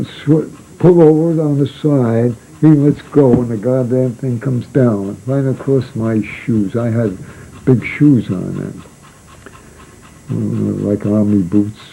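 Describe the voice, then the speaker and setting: An older man recalling his seafaring days in a casual spoken memoir. He talks in a halting, rambling way, full of restarts and fillers. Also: mid-range voice, steady tone, creaky, dark tone, a little hiss or hum, low-quality recording.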